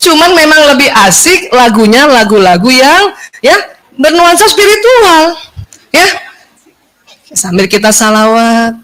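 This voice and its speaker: A woman giving a lively religious lecture to women, often asking her listeners questions. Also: high voice, a little slow, long pauses, low-quality recording.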